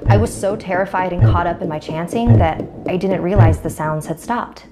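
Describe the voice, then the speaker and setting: A young woman telling a scary first-person story in a measured, suspenseful way, narrating over a music bed. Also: fairly low pitch.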